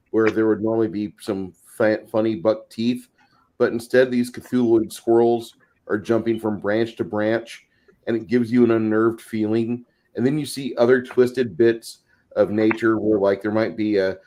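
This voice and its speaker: A man's voice: lowish voice, darkish tone. A man chatting casually about tabletop games, blunt and profane, with a vivid way of describing things. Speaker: panelist on a role-playing show.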